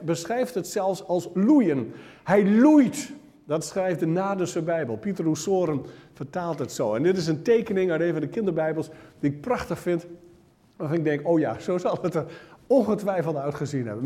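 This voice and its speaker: A man preaching a sermon, telling a Bible story with animated, dramatic shifts between loud and soft. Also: sits high. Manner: animated storytelling, acts out the crowd's hushing in a raised voice.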